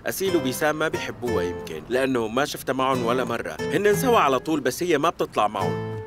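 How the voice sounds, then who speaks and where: A man's voice: mid-range voice, sing-song, racing, lightly acted. A man with a Syrian accent voicing a suspicious, lovesick young man in a dubbed TV drama, talking earnestly and with agitation. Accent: Syrian Arabic. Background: music score.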